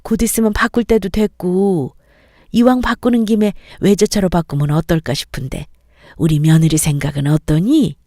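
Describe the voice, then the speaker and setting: A woman's voice: on the low side, fairly even intonation, moderate pace, mellow, dry recording, clean studio sound. A woman voicing a greedy older mother-in-law who nags and lectures condescendingly in a dramatized story reading. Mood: coaxing.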